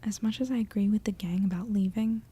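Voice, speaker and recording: A woman's voice: medium pitch, fairly even intonation, fast, dark tone, husky. An actress playing a worried, introspective young woman confiding her thoughts in an audio drama. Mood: hushed, restless. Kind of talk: audio drama narration and dialogue.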